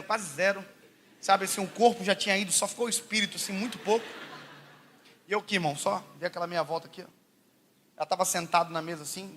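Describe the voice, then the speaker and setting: A high-pitched man from Brazil preaches with rapid, bright energy, telling stories that keep breaking into laughter. He swings between shouted lines and quiet asides. A faint ambient hum sits behind his voice. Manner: animated, jokey, laughs often, swings from loud to hushed. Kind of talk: sermon with comic storytelling.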